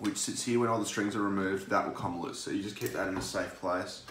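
This man has an Australian accent and a fairly low pitch. His intonation is fairly even, and noticeable background noise can be heard. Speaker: guitarist and touring musician. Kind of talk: casual video tutorial. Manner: relaxed, with frequent fillers. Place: home room. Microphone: phone near.

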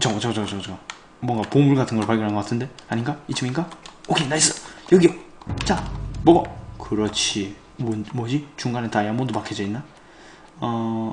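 Over noticeable background noise, a man with a medium pitch speaks at a fairly quick pace, with ordinary pitch variation and long, frequent pauses. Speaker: game streamer. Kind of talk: live gameplay commentary. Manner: animated; loud.

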